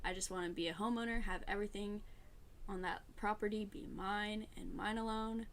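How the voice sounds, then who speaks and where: A young woman co-hosting a casual podcast chat, chatty and quick to laugh, with lots of "like". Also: medium pitch, steady tone. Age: young adult. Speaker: podcast co-host.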